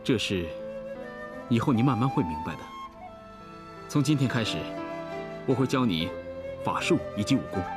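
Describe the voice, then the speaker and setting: Actor as a lively male martial-arts master. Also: medium pitch, normal speed, pauses often, lightly acted. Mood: calm. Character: patient martial-arts master, exasperated by his wife. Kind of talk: costume television drama acting. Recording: music under the dialogue.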